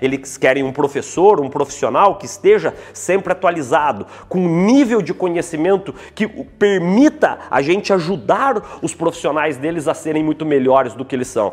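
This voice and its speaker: Animated in tone and with lively intonation, a man with a high pitch talks at a moderate pace with hardly any pauses, amid noticeable background noise. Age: 50s. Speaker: sales trainer and speaker. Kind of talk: motivational talk. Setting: home recording.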